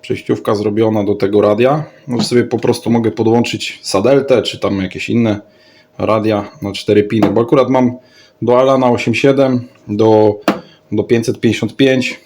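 A man's voice: fairly low pitch, fairly even intonation, moderate pace, noisy background. A man giving a casual, off-the-cuff product showcase in a rambling way, often repeating his words and phrases. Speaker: radio hobbyist vlogger.

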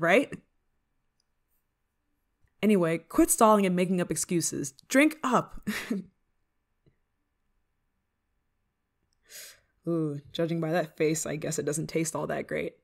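A woman playing an eager, affectionate, scatterbrained novice witch in an ASMR roleplay, coaxing the listener in a giggly manner. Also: lowish voice. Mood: defensive, insistent. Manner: giggly, coaxing, hesitant asides. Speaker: roleplay voice performer.

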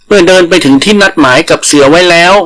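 A man's voice: a little high, fast, a bit bright, low-quality recording. A man reading a scripted moral folktale as a storyteller.

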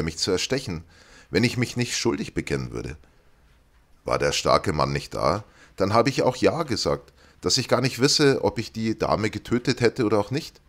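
A man's voice: on the low side, a bit bright. Man reading as a tormented hanged ghost. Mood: pleading. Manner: pleading, fearful, self-pitying. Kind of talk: audiobook reading.

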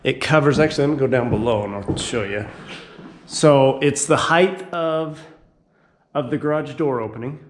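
A man giving a casual home tour, rambling and correcting himself, often clearing his throat. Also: medium pitch, moderate pace. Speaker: homeowner giving a house tour. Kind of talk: casual handheld tour narration.

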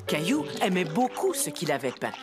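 A woman narrating a scripted children's story in an expressive, clearly phrased storyteller's manner. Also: fairly low pitch, moderate pace. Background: music.

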